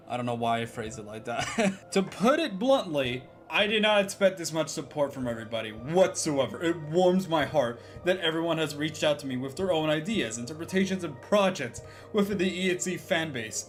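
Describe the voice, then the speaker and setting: A young man hosting his channel in casual chat, rambling and giggling, swinging from quiet mumbles to loud outbursts. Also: on the high side. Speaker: channel host. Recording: faint music in the background.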